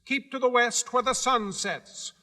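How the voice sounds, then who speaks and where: A man's voice: very high voice, a little slow, pushed and bright, in a large hall, pitched above the performer's own voice, full character voice. A man voicing a small, formal male gatekeeper in a storybook reading.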